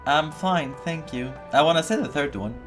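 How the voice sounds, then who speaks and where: A man's voice: on the high side, normal speed, music in the background. A man streaming a video game, reacting casually with incredulous, repetitive muttering.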